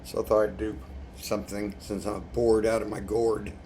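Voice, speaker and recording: A man's voice: on the low side, level tone, moderate pace, warm tone. A man chatting casually as a video blogger through an unboxing, with a wry manner and an irritated throat. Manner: wry, chuckling at own remarks. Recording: noticeable background noise.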